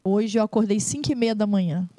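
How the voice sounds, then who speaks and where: A middle-aged woman with a Brazilian accent, a missionary co-hosting a gospel TV interview. She talks in an emotive, preacherly way and draws key words out slowly. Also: medium pitch, warm tone. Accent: Brazilian Portuguese. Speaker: missionary and co-host interviewing a pastor.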